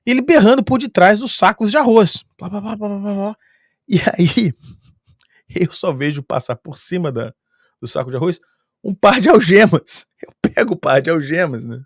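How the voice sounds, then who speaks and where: Speaking at a normal pace, a man with a Brazilian Portuguese accent casually recounts a travel story, chuckling often and filling pauses with sound-effect words. His lively voice sits a little higher than most men's, and the close, dry recording has no room echo.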